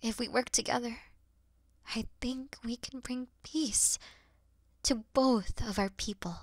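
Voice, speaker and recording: A woman playing a weary, noble and gentle demon queen in a fantasy audio roleplay, speaking earnestly in a breathy, hushed way. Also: on the high side, dry recording, clean studio sound. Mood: earnest, resolved. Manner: solemn, slow, earnest, breathy hushed delivery.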